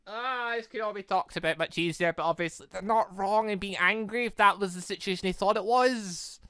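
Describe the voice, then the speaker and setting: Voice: mid-range voice, fairly quick, fairly bright tone, clean tone, dry recording, studio quality. A let's play host giving emotionally reactive, rambling commentary on a story game. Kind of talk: playthrough commentary mixed with read-aloud dialogue.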